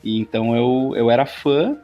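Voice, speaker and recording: A man's voice: medium pitch, normal speed, dull audio, faint music behind. A man in his thirties giving casual interview answers as a guest, acting out his own past thoughts as he tells stories. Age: 30s. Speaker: interview guest, aspiring voice actor.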